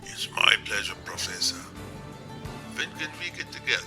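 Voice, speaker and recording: Kindly doctor over clear music played by a man. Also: mid-range voice, sing-song, normal speed, natural voice. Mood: gracious. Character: kindly, gracious male doctor giving advice. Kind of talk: amateur audio drama acting.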